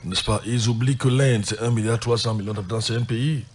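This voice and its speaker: A man's voice: mid-range voice, fairly even intonation, a little fast, crowd noise. A man who is a pastor hosting a Christian radio talk show, feeling sick, chatting and reading out listener messages and phone numbers.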